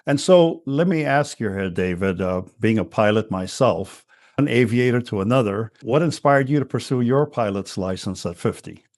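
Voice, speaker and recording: A man's voice: medium pitch, lively intonation, moderate pace, a little mellow, no echo, clean studio sound. A man hosting a podcast interview, asking friendly, rambling questions and affirming often. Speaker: podcast host. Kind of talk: casual interview talk.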